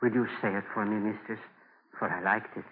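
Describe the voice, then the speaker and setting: An actor in a 1940s radio drama playing a gentle Native American captive who speaks halting, broken English earnestly. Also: male voice, on the low side, steady tone, natural voice. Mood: humble, earnest. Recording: muffled old 1940s radio broadcast.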